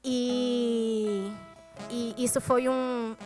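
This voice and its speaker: In a church service sermon, a Brazilian Portuguese-accented woman preacher tells her testimony and speaks directly to those gathered. She delivers it very slowly and flatly in a fairly high voice, over background music.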